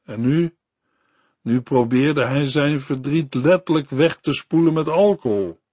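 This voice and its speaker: A man tells a devotional story for a radio Bible broadcast, unhurried and earnest. His voice sits a little high for a man. The recording is close and dry, with no room sound. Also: darkish tone, no echo. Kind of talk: scripted devotional radio reading.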